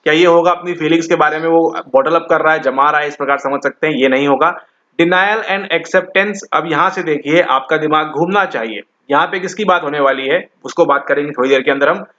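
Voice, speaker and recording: Man lecturing, higher voice, dull sound. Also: fairly quick, sharp tone. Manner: explanatory, repeats "ठीक है?" to check understanding. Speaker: teacher. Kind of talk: exam-prep lecture.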